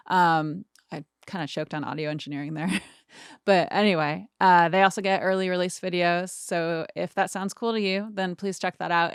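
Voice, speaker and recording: A woman's voice: lowish voice, smooth, no room sound, clean studio sound. A woman in her thirties hosting a music production tutorial, chatting informally and casually with some self-deprecation. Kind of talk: casual screen-recorded tutorial.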